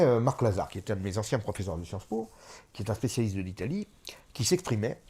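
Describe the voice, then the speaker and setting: Emphatic middle-aged man with lively pitch. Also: slightly rough. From France. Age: 50s. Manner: emphatic, repeats phrases, many hesitations. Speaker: author and guest. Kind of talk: political interview discussion.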